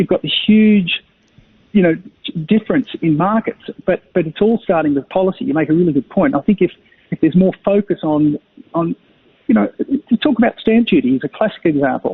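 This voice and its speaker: Using lively intonation and long, frequent pauses, a man with an Australian accent speaks in a high pitch. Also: fairly quick pace. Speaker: property developer, co-founder of later-living company. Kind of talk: radio interview. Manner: repeats words, stammers on starts.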